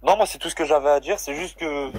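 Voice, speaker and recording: A man's voice: fairly high pitch, fast talker. Blunt indignant man calling in. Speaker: caller on a live stream. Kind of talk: casual live-stream chat.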